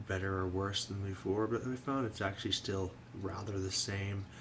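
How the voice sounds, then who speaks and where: The voice is soft-spoken and somewhat breathy, moving at a moderate pace with fairly even intonation. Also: man. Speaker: tabletop wargame podcaster. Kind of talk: casual podcast talk about tabletop game tactics.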